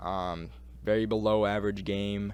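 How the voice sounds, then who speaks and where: Fairly low-pitched man at a fairly slow pace. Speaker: gaming youtuber. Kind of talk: game review. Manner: halting, many fillers and repeats; casual.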